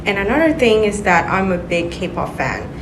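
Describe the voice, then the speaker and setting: A young woman from Vietnam answers interview questions earnestly, counting out her reasons one by one. Her pitch is middle-range. The room echoes and noise is clearly audible behind her. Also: sing-song, moderate pace. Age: young adult. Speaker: exchange student.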